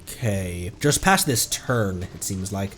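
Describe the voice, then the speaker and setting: Animated man chatting while streaming a game. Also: on the low side, a little slow. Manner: chatty, thinking aloud. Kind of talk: casual live gameplay commentary. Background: faint game music.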